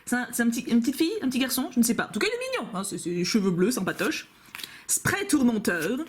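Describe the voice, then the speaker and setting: A woman's voice: fairly high pitch, big pitch swings, quick pace, slight background noise. A young woman vlogging as she opens trading card packs, bubbly and playful, full of exclamations. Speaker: vlogger opening trading cards. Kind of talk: chatty card-opening vlog.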